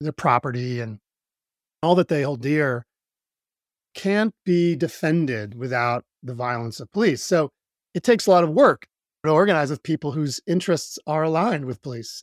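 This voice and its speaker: A man with a fairly high pitch speaks at a moderate pace with lively intonation, big swings in loudness and long, frequent pauses, in a dry, close sound with no echo on a very clean recording with a silent background. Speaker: professor and author. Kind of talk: interview discussion.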